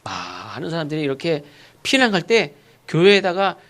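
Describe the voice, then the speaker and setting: A man's voice: on the high side, wildly swooping pitch, moderate pace, a bit bright. Man preaching a sermon, raised voice. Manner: preaching with acted rebukes and rhetorical questions. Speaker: pastor. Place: church sanctuary.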